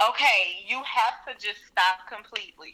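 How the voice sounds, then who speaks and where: A woman's bright, sharp voice at a fairly slow pace. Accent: American. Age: 20s. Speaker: hairstylist and salon owner. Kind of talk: casual chat.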